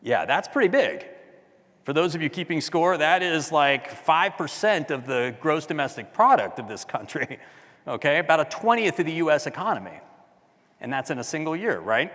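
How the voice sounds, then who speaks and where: A man giving a talk at a design conference, chatty and loud, often asking the audience questions. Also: fairly high pitch, in a large hall. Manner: loud speaking voice. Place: large hall with audience.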